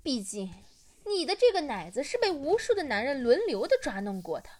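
Woman acting as a cursing young brawler, very high voice, swings wildly in pitch, amateur audio role-play. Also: sing-song, brisk, darkish tone. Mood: angry. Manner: taunting, cursing. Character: foul-mouthed young woman in a catfight.

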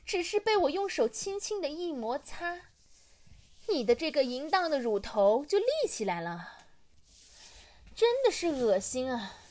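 A woman voicing a foul-mouthed young woman in a catfight, taunting and cursing in an amateur audio role-play. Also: sits high.

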